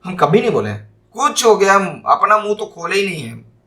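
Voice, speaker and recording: Man, teacher, lively rising and falling voice, fairly high pitch, slow stressed examples. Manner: lively, stresses single words, slow drawn-out example sentences. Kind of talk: spoken lesson on communication skills.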